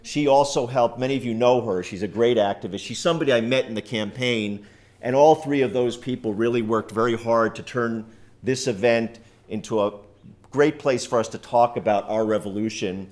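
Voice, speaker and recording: New guy with a big loud voice, giving a rally-style keynote in a university lecture room, no mic, upbeat and fired up. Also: mid-range voice, normal speed. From New York. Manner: fervent, optimistic rally speaking. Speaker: keynote speaker. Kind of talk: political speech. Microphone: unamplified voice picked up from the room.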